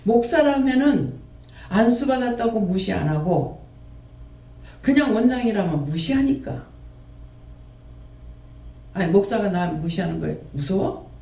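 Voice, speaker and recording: A man's voice: sits high, lively intonation, unhurried, vocal fry, pauses often, mellow. A man who runs a prayer house, preaching a sermon and scolding his listeners with one rhetorical question after another. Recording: roomy echo, mic at a distance.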